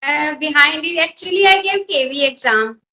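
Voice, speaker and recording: A woman teacher from a small village with an Indian accent, speaking English as a learner, her first language Hindi, pausing to search for words. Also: high-pitched, lively intonation, sharp tone. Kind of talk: English practice conversation.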